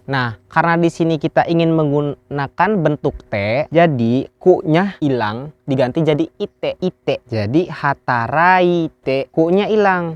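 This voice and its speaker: A man from Indonesia teaching Japanese in a casual lesson, explaining step by step and slowing down to repeat phrases. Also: medium pitch, highs cut off. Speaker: Japanese language teacher, channel host.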